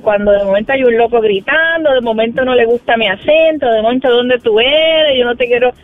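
A man speaks over a tinny phone line, his voice extremely high for a man. He is frank and weary, keeping it brief. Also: brisk, no room sound. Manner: frank, tired, keeps it brief. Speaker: caller, call center worker. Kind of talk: phone call-in complaint.

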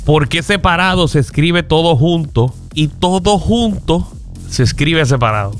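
A man with a Puerto Rican accent hosting a joking radio call-in show, playful and quick to laugh. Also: a little high, expressive, soft background music. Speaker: radio host taking calls.

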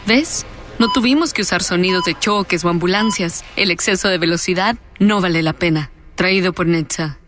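A woman reading an earnest, deliberate road-safety radio ad. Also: on the low side, over music. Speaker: traffic safety ad announcer. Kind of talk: scripted safety ad. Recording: radio ad with noise behind.

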